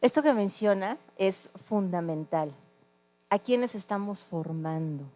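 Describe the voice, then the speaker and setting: A woman's voice: mid-range voice, expressive, a little slow, warm tone. A woman interviewing a former teacher, asking earnest questions with some hesitation.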